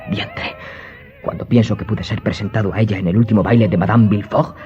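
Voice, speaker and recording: Wildly animated, eager young dandy. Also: male voice, fairly low pitch, a little fast. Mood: eager, excited. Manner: eager, exclamatory. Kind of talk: radio drama acting. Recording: dull lo-fi sound, loud music behind.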